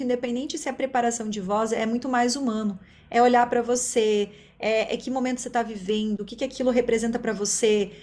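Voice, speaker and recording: A woman's voice: fairly high pitch, darkish tone. A Brazilian woman speaking as an interview guest, a speech therapist explaining her work in a talkative, conversational way. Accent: Brazilian Portuguese.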